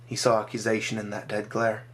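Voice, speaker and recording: A man reading his own dramatic short story aloud, measured and slowing for grim moments. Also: fairly low pitch, completely flat delivery, fairly bright tone, slight background noise.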